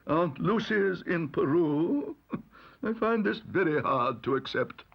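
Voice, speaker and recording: A man voicing a pompous, easily flustered old male judge in a storybook reading, exclaiming in a drawn-out way. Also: sits high, animated, voice pushed up, heavily acted. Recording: dull lo-fi audio recording.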